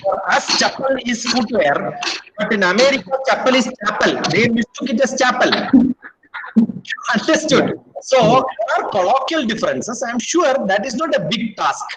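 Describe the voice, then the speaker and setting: Very high-voiced Kerala Indian man lecturing. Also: very animated, normal speed, noisy background. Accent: Kerala Indian English. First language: Malayalam. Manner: anecdotal and rambling, with frequent check-in questions. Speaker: guest speaker. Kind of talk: webinar lecture.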